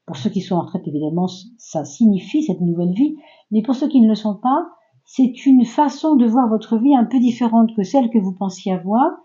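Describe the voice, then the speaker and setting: A woman reads tarot for her audience in a relaxed, reassuring way, full of small fillers and asides. Her voice is very mellow and warm. The recording sounds a little dull and lo-fi. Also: mid-range voice. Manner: chatty, reassuring, many fillers and "hein". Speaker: tarot reader. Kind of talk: casual tarot reading for viewers.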